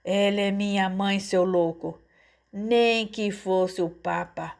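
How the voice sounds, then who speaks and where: A woman's voice: mid-range voice, unhurried, creaky. A woman voicing a wounded young male criminal, agitated, harsh and curt, in an audiobook story. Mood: horrified.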